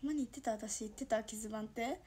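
A young woman from Toyama with a Toyama dialect, chatting casually on her livestream and reacting to viewer comments, dropping to soft murmurs and then bursting out brightly. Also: fairly high pitch, quick pace, slightly rough. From Toyama, Japan. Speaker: idol livestream host.

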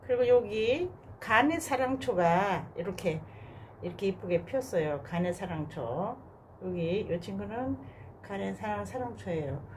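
Woman gushing over her balcony flowers, mellow warm voice, soft little sighs, faint background hum. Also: medium pitch, animated, unhurried. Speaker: gardening vlogger. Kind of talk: casual narration while showing plants. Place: home balcony garden.

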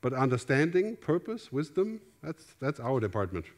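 A man's voice: mid-range voice, big pitch swings, normal speed. A middle-aged man with a German accent speaks from a big theater stage through a headset mic. His keynote is loose and conversational, and he keeps checking in with the audience by asking "right?". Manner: conversational, gestures widely, asks "right?" often. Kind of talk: conference keynote talk.

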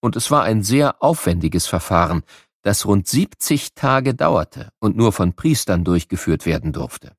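Male audiobook narrator, lowish pitch, animated intonation, explanatory children's storytelling, dry studio sound. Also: unhurried, dry recording.

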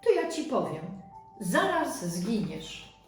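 A woman's voice: medium pitch, very animated, takes it slowly, faint music behind. A woman voicing a huge vengeful male spirit trapped in a bottle, menacing and then pleading, heard in a very echoey room from some distance.

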